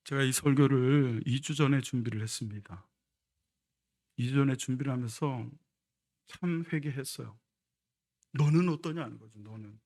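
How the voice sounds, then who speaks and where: A man's voice: mid-range voice, normal speed, long pauses, a little mellow. A middle-aged man preaching a sermon as pastor, moving between conversational storytelling and emphatic exhortation. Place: church sanctuary.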